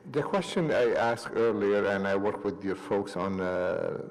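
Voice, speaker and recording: A city councillor questions a witness in a somewhat low voice. He speaks politely, hesitating often. The committee room gives a long reverb. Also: measured pace, darkish tone. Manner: polite, hesitant, many filler sounds. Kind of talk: questioning a witness at a public meeting.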